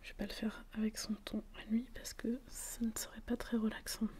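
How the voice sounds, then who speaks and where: A woman speaking in a soft, unvoiced whisper, giving a relaxing ASMR talk at home. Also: fairly high pitch, monotone, brisk. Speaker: ASMR creator. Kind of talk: whispered ASMR talk about film quotes. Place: at home, wind outside.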